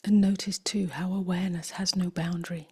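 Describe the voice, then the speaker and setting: A woman meditation teacher leading a guided contemplation in a gentle, breathy, near-whispered voice, unhurried and with long pauses. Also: lowish voice, fairly even intonation.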